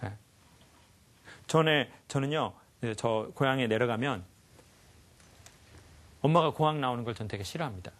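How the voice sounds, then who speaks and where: A man giving a lively life lecture to a live audience, often asking them questions and acting out sounds. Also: medium pitch, moderate pace, long pauses. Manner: animated, asks the audience questions, acts out sounds.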